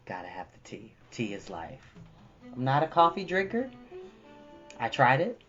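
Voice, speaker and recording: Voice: medium pitch, huge pitch swings, unhurried. Muffled, chatty livestream host around thirty. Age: 30s. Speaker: livestream host who reads books aloud. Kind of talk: casual livestream chat. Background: prominent jazz music.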